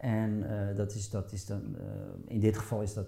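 At a fairly slow pace, a man speaks in a fairly low, dark, mellow voice that is somewhat breathy. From Netherlands, Zaandam. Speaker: artist. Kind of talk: interview. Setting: studio. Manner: halting, many repeats.

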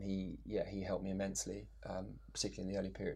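A man speaks with a South London accent. His pace is very fast. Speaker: retired pro triathlete and coach. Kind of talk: casual chat.

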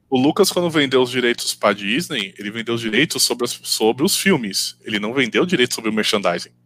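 Talking at a fairly quick pace with hardly any pauses, a man uses lively intonation, a medium pitch and a bright, sharp tone. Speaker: podcast guest. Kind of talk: casual chat.

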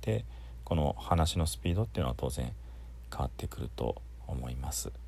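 The room echo is audible. A man's voice comes through somewhat breathy. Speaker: Buddhist priest. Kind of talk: lecture. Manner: slow.

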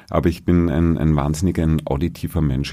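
A man with a very deep, low pitch and a dark, mellow tone on a very clean recording with a silent background. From Austria, Kaprun in Pinzgau (Salzburg). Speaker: theatre director. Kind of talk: interview.

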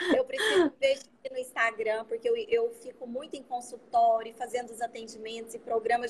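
Speaking fairly quickly with hardly any pauses, a woman with a high pitch keeps her intonation fairly even while her loudness swings widely. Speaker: psychologist. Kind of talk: casual interview. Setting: online live stream.

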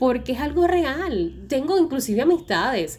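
A woman speaks at a fairly slow pace with vocal fry and very wide pitch swings. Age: 20s. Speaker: podcast host and life coach. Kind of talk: reflective solo podcast monologue.

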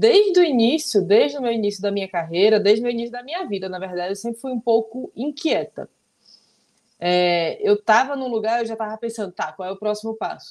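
A woman speaks in an unremarkable speaking voice, fairly high in pitch, at a fairly quick pace. Her intonation is lively, and her loudness swings widely. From Sergipe, northeastern Brazil. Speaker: economist and trader. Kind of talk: casual interview chat.

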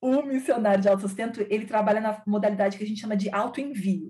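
A woman speaks at a fairly quick pace in a fairly high pitch, her voice somewhat breathy with a dark, mellow tone. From Brazil, Rio de Janeiro. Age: 30s. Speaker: missionary. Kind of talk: casual chat.

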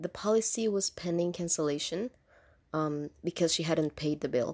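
This woman has a fairly low pitch and a non-native accent. Her pitch variation is ordinary, and the sound is dry and close with no echo. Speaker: podcast host, call center worker. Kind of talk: casual storytelling monologue. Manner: laughs often; hesitant, many fillers.

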